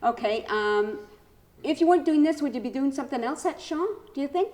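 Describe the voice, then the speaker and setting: A woman's voice: high voice, expressive, fairly quick, a little mellow. A woman hosting a casual community TV talk show, chatty and teasing, laughing often as she questions her guests in the studio.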